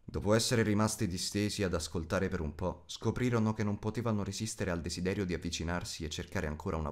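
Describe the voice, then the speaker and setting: A man reading a story aloud as an audiobook narrator in a scripted style. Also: deep voice.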